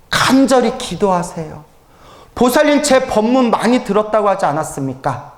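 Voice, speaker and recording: Male monk lecturer, animated storyteller who acts out both sides of a talk, recorded in an echoey temple hall. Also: sits high. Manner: lively storytelling, acts out dialogue, laughs often. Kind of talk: humorous dharma lecture. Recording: roomy hall.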